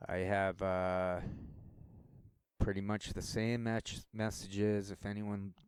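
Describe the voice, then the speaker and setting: A man's voice: lowish voice, level tone, takes it slowly, smooth, dry recording, clean studio sound. A man rambling through a casual solo monologue as a vlogger, wandering from thought to thought. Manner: rambling, meandering talk.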